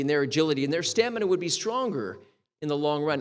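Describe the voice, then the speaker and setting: A man talks with a fairly high pitch and lively intonation. There is audible room echo. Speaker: church public affairs director and session moderator. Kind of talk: panel moderation with religious reflection. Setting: conference ballroom session with small audience. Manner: fast.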